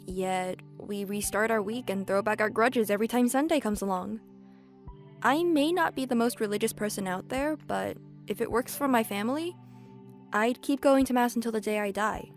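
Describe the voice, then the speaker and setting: Casting: feisty young female cashier woman actor for audio drama, high voice, outspoken and stubborn, faint music underneath. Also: normal speed, lightly acted. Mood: candid. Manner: feisty, emphatic, forthright. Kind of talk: fan audio drama acting.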